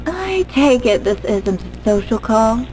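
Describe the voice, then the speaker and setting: A woman playing a composed, drily teasing chief scientist in an audio drama, measured and formal. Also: fairly high pitch, big pitch swings, a little mellow, faint music behind, low-quality recording. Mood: drily amused.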